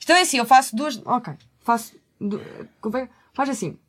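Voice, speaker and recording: A woman's voice: fairly high pitch, brisk, slightly rough. A woman with a European Portuguese accent chatting casually and informally as a podcast co-host, using plenty of slang. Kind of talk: casual chat.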